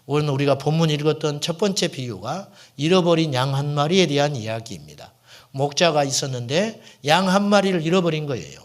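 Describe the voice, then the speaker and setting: A middle-aged man preaches from the pulpit in a fairly high voice that rises and falls with a lot of life. He asks his listeners questions and answers them himself. At moments he sinks into a soft, hushed whisper to press a point home. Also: expressive, fairly quick. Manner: drops to a hushed, whispered tone for emphasis. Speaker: senior pastor. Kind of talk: sermon.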